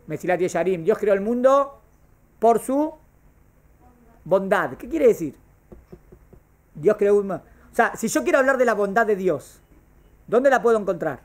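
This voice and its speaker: A man, teaching a class on Jewish thought, asking the class questions and answering them himself. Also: high voice. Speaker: Torah teacher.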